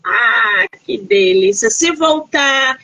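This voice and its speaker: A woman's voice: sits high, animated, slow pace, creaky, sharp tone, dry recording, rough recording. A woman from Rio de Janeiro hosting a casual live interview over a video call, effusive and full of exclamations. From Rio de Janeiro, Brazil. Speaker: host.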